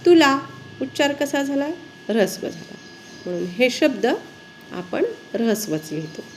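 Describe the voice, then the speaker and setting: A woman teacher, giving a spelling lesson slowly and often asking her pupils questions. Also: a little high, sing-song, slight background noise.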